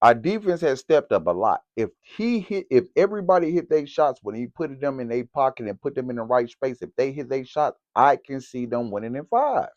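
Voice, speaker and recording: A man giving casual, slangy basketball commentary as a vlogger, in an animated, direct way. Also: medium pitch, brisk, few pauses, no room sound. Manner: animated, slangy, talks straight to camera. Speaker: sports vlogger. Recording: dull, lo-fi, dry recording.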